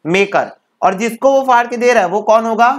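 A man's voice: extremely high pitch, brisk. A man teaching an exam-prep law lecture, breaking definitions into phrases and asking his students to repeat them, then asking and answering his own questions.

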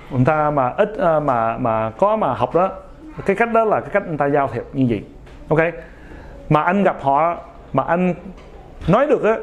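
Halting man tossing in "ok?" a lot. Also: fairly high pitch. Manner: halting, many fillers, keeps asking "ok?". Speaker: motivational speaker addressing young viewers. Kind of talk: casual motivational talk.

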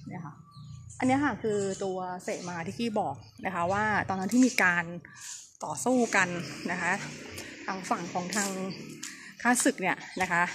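Over music, a medium-pitched woman speaks at a moderate pace, keeping her voice low and chatty. She's a travel vlogger casually guiding viewers around a temple under grey skies. The outdoor recording picks up plenty of noise.

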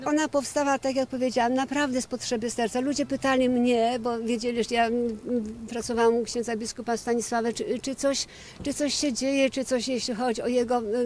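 A middle-aged woman, a nun, answering questions outdoors into a handheld reporter mic, halting with many fillers and restarts. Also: on the high side, a little mellow, slight background noise. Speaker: nun, book organizer. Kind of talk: outdoor news interview. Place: outdoors by a church building.

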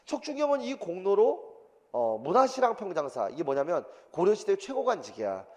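A man teaching an exam-prep history lecture in a lively, colloquial way, full of asides and rough everyday speech. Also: high voice, normal speed, big-room sound. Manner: lively, colloquial, acts out quotes with swearing.

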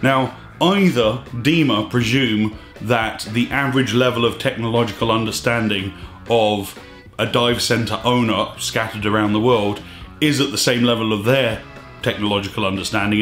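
In his thirties, this scuba diving channel host delivers an opinionated to-camera rant, emphatic, exasperated, and gesturing with his hands. His voice is slightly hoarse, fairly low, and a bit bright, recorded in an echoey small studio room with faint music.

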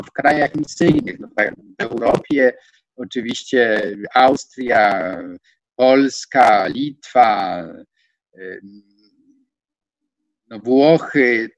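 A man in his sixties giving an online lecture from a home study, hesitating with many fillers and stressing words with rising pitch. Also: no room sound. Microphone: video call. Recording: dull, dry video-call audio.

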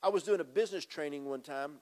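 A middle-aged pastor holds a handheld mic on a church stage with a drum kit, his voice a little higher than most men's and slightly mellow. He talks quickly and emphatically, repeating phrases and speaking straight to the congregation while moving about the stage.

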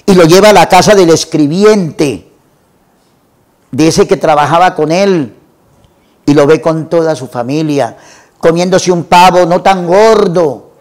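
A man's voice: fairly high pitch, a little mellow. Man retelling a story. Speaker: literature presenter.

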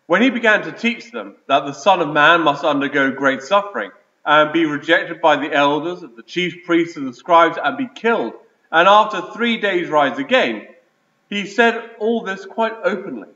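A man, a priest, reading the gospel and preaching in a measured liturgical way, his voice ringing with the echo of a large church. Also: a little high, lively intonation, sharp tone. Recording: echoey church, dull lo-fi sound.

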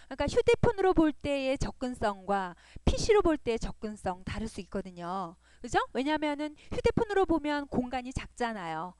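A high-voiced woman walks through a coding lesson, her pitch rising and falling a lot as she explains. She repeats each point patiently and keeps checking in with her listeners. Her voice is smooth and clear, recorded close and dry. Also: sing-song, normal speed, few pauses, a little mellow, no echo. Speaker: web design instructor. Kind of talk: screen-recorded coding tutorial.

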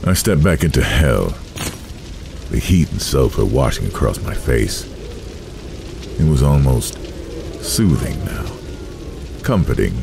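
An extremely deep, gravelly male voice plays a proud, brooding dead admiral narrating from hell. He is solemn and deliberate, yet his pitch moves expressively. It is horror audio drama. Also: exaggerated voice.

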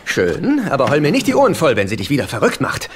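A high-pitched, animated middle-aged sitcom father, fussy, whiny and easily flustered. He pleads and nags like a born freeloader, over noisy audience laughter. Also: quick pace. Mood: exasperated. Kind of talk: dubbed sitcom acting.

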